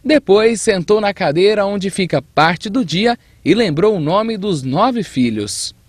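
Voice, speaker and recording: A man's voice: sits high, expressive, unhurried, a little hiss or hum. A young Brazilian man narrating a scripted news feature as a TV reporter.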